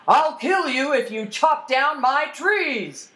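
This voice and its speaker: A woman's voice: high-pitched, animated, takes it slowly, pitched above the performer's own voice, exaggerated voice. Woman acting out a blustering storybook troll, echoey. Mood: menacing roar. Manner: threatening yells giving way to pleading. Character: enormous blustering male troll, easily frightened and gullible. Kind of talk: folktale storytelling.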